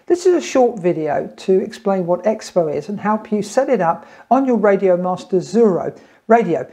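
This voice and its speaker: A man's voice: high voice, lively intonation, normal speed, warm tone, slightly rough. A man in his fifties giving an informal, plain-spoken step-by-step tutorial in a small room at home. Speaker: tutorial presenter. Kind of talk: informal step-by-step instructional talk.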